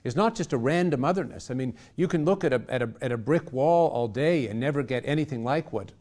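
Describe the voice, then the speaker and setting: A man interviewing in a reflective intellectual conversation, feeling his way haltingly through elaborate phrases. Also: medium pitch, animated, darkish tone.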